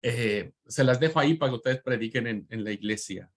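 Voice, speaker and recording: A man of medium pitch lecturing a Bible class with the fervor of a preacher. He repeats key words for emphasis and turns often to his listeners as brothers. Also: fairly quick. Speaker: Bible teacher.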